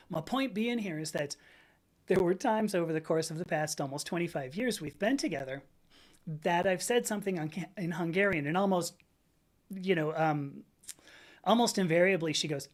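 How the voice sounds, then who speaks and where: A woman in her fifties hosting a livestream, chatting casually in a rambling way, laughing often and reading out viewers' comments. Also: fairly low pitch. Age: 50s. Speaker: livestream host.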